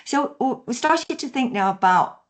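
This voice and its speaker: A woman's voice: a little high, lively intonation, normal speed. A woman trainer leading an online session over a video conference call, explaining steadily and often checking in with "yeah?". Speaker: workshop trainer.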